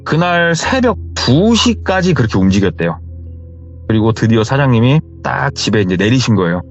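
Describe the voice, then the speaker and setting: A man's voice: mid-range voice, very animated, moderate pace. A man telling a story in a chatty, casual way, relaying what he heard, over muffled sound with faint music. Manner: chatty retelling of hearsay. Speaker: horror story narrator.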